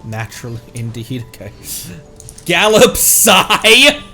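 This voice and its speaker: A man streams a video game and casually thinks aloud as he plays, with faint game music in the background. His voice is a little high and sharp, slow, with big swings in pitch.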